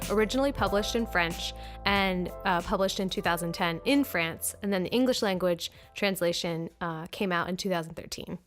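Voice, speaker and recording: A woman's voice: on the low side, moderate pace, faint music behind. A woman co-hosting a book-and-film podcast, chatting casually and laughing often, recorded in a living room. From United States. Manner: easygoing, laughs often, says "like" a lot. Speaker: podcast co-host. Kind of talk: casual chat. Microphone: new podcast microphone.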